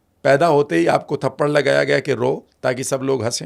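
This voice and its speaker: This man has a fairly high pitch and vocal fry. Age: 60s. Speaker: health expert. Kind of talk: podcast interview.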